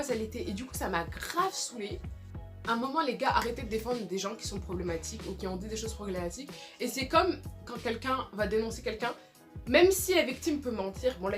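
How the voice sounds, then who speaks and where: A young woman giving casual, emphatic commentary in a vlog, repeating her points and often saying sorry. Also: fairly high pitch. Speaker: video creator.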